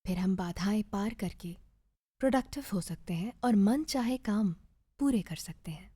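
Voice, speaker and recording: A woman narrating a guided meditation in a soft, breathy, soothing voice, measured and with gentle pauses. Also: medium pitch, animated, no room sound.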